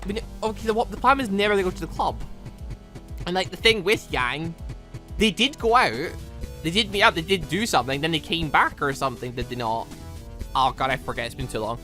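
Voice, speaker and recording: A gaming host doing let's play commentary and reading game dialogue aloud, animated and rambling, with self-questioning asides. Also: mid-range voice, brisk. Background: game music.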